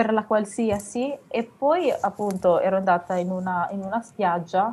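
Somewhat breathy, a woman's medium-pitched voice moves at a moderate pace with ordinary pitch variation. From northern Italy, Biella. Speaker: beauty queen and artist. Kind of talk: casual chat.

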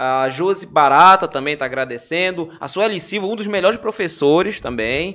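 A high-pitched man at a moderate pace, with hardly any pauses. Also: lively intonation. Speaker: podcast host. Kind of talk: casual chat.

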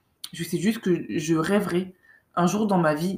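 A woman speaks at a moderate pace in a fairly low, somewhat breathy voice with ordinary pitch variation. The recording is very clean, with a silent background. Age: 30s. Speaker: podcast host. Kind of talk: casual monologue. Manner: hesitant, many fillers.

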